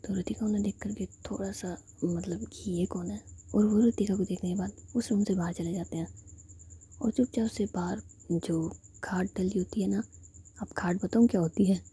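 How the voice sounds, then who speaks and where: A woman narrates a story entirely in a whisper. Her voice is very breathy and husky, with a dark, mellow tone. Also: mid-range voice, steady tone, normal speed.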